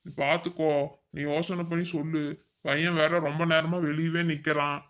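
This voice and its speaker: A man's voice: on the high side, little pitch movement, moderate pace, highs cut off, natural voice. A man voicing a middle-aged village father in a cartoon, with a Kongu Tamil accent, patient and persuasive. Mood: consoling.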